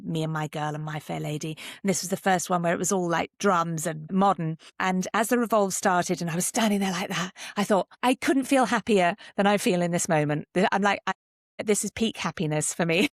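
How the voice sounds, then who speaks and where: A British woman answering casually as a podcast guest, animated, candid and self-deprecating. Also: fairly low pitch, no room sound, clean studio sound. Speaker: guest, actor and writer.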